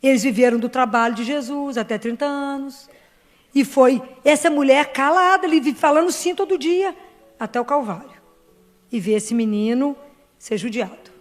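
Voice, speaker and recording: A woman's voice: high voice, normal speed. A Brazilian woman giving a fervent devotional sermon to a crowd and acting out dialogue as she preaches. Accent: Brazilian Portuguese. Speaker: Catholic speaker and doctor. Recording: reverberant hall with faint music.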